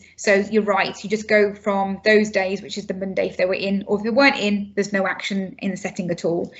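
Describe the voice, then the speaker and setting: This woman's voice is somewhat breathy, medium in pitch, and monotone with flat intonation. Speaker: public health advisor. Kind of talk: webinar Q&A briefing. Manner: mumbling.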